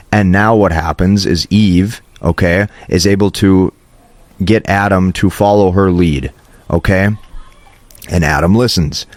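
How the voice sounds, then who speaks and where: A man's voice: low voice, dry recording. A man speaking as a coach in an emphatic, instructive motivational monologue, often checking in with "okay". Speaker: host, dating advice coach. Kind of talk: motivational advice monologue to camera.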